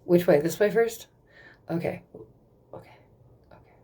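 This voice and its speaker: A woman's voice: fairly low pitch, a little slow, mellow, slightly rough. A young woman vlogging casually, rambling and giggling nervously as she talks to the camera, swearing often. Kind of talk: casual beauty vlog.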